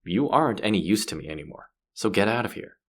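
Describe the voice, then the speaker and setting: A man playing a gruff, sardonic space pirate who is grudgingly softening, in a scripted sci-fi audio roleplay spoken to the listener. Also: lowish voice, lively intonation, fast. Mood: exasperated, defensive. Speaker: voice actor.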